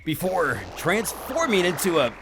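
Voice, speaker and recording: A man's voice: high-pitched, sing-song, unhurried, music in the background. A man reading scripted narration for a comic story recap, as its narrator.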